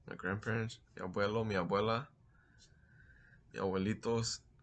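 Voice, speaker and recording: In an East Los Angeles accent, a man speaks fairly low in pitch. His pace is moderate and his intonation fairly even. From East Los Angeles, California. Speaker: military veteran. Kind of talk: casual talk to camera. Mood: relaxed, playful, laughing. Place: home room. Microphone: webcam.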